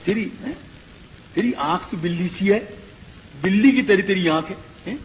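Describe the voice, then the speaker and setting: A man giving a devotional scripture discourse, chanting verses and then explaining them in a lively, rhetorical way. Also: sits high, normal speed. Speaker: scripture reciter. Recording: long hall reverb, faint background noise.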